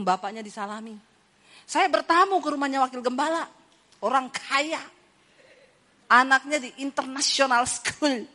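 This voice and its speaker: A woman preacher giving a lively sermon, telling stories and mimicking the voices of the people in them. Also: high-pitched. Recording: hall reverb.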